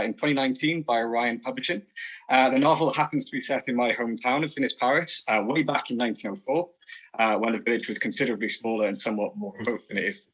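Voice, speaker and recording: Man, guest author on a video call, quick husky delivery. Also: medium pitch, fairly bright tone, rough recording. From South Wales. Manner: quick, eager, with frequent fillers. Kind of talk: casual introduction and reading.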